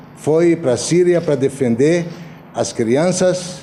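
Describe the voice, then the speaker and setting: A man with a non-native accent at a very slow pace, with audible room echo and noticeable background noise. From Syria. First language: Arabic (speaking Portuguese). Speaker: community representative. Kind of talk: speech. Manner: halting.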